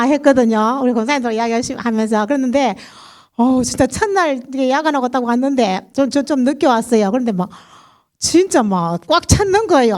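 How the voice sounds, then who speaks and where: A woman's voice: fairly high pitch, darkish tone. A middle-aged woman with a Gyeongsang accent, giving a chatty personal testimony to a church congregation. She often laughs and acts out other people's lines as she tells the story. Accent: Gyeongsang dialect. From Daegu region, South Korea.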